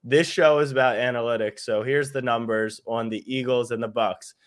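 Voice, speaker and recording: A young man hosting a casual sports show, asking brisk, teasing questions. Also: medium pitch, fairly even intonation. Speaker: podcast host.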